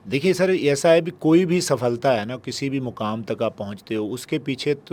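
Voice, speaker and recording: A plain, everyday voice with lively intonation, delivered at a moderate pace. The recording is very clean, with a silent background. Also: man. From Punjab, Ludhiana. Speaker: comedian. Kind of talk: interview.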